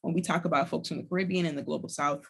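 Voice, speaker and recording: A young woman guest explains her organizing work in a casual, emphatic way, tossing in asides to the listeners. Her voice is a bit husky and sits on the low side. The delivery is lively and conversational. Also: racing. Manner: animated, emphatic, addresses listeners as y'all.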